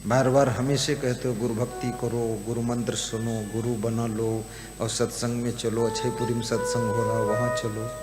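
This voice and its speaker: A man's voice: medium pitch, level tone, normal speed, lightly acted. A man playing a busy worldly neighbor who brushes off the call to prayer, complaining that he has no time. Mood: dismissive. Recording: roomy hall with music behind.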